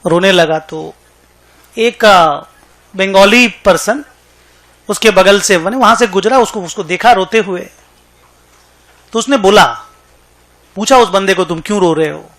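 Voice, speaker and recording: A male accountancy teacher speaking to his class in a chatty, joking way, stopping to dictate notes. His voice is high and bright, with an easy storyteller's flow. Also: takes it slowly, long pauses.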